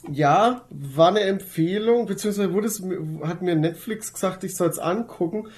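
Hesitant podcast co-host, mid-pitched voice. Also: normal speed, a little mellow. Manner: hesitant, groping for words. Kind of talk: casual chat, reviewing series.

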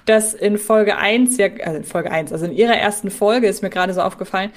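Casting: female co-host with an average-pitched voice, informal and reflective, thinking aloud in a fan discussion. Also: fast. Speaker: podcast co-host.

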